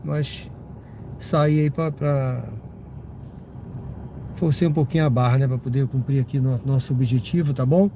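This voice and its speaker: A man's voice: mid-range voice, fairly even intonation, a little slow, pauses often, dark tone. Slightly stuffy-nosed chatty man driving. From Brazil. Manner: rambling, chatty, lots of tag questions to viewers. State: slightly congested from a cold. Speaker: rideshare driver streaming live. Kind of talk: casual live-stream chat while driving. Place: inside a car driving at night. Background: car and road noise.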